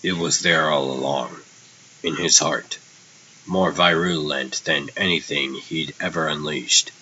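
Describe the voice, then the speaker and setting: Man playing a very deep, brooding vigilante hero. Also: fairly even intonation, pushed and bright, dull audio, a little hiss or hum, full character voice. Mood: grave confession. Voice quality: low, tense. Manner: grave, deliberate. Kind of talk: dramatic comic dub acting.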